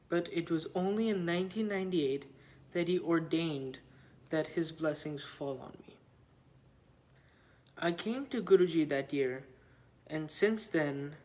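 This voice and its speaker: Slow-reading man with a slightly high voice. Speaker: reader of devotional testimonies. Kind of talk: slow read-aloud of a written devotional account.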